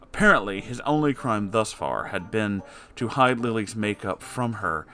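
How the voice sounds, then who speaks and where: A man's voice: lowish voice, lively intonation, normal speed, pushed and bright. A man reading a story aloud as a host, breaking in with wry, conversational asides.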